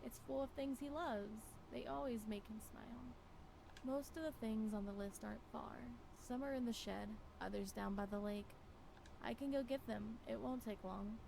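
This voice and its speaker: An actress playing a weary, anxious wife in a visual novel, speaking a wistful, melancholy inner monologue. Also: female voice, a little high, moderate pace, gravelly, background noise. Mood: anxious, pleading. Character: weary, anxious wife clinging to a broken relationship. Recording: music behind the voice. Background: music.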